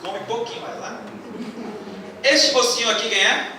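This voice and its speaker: A man's voice: very high voice, normal speed. A man giving a religious lecture to a live audience in a large hall, playfully quizzing the listeners. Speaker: spiritist lecturer. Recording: echoey hall from far off, faint noise.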